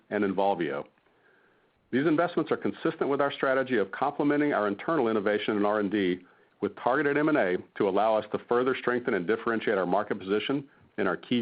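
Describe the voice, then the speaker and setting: A man in the role of a finance executive reads a prepared earnings report in a formal, measured manner over a muffled conference call line. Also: fairly low pitch. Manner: formal, measured reading of figures. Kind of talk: scripted earnings call presentation.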